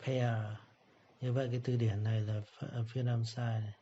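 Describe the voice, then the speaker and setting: A man teaching English pronunciation, repeating each word slowly before explaining it. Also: medium pitch, level tone, warm tone, slight background noise. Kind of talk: pronunciation lesson. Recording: dull lo-fi recording.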